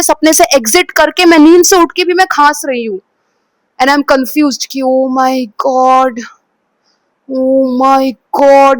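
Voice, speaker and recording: High-pitched woman from kolkata telling a scary dream, dramatic, dry sound. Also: dry recording. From Kolkata, India. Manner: dramatic, expressive retelling of a dream; mixes in English phrases. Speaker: vlogger. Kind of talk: storytelling vlog.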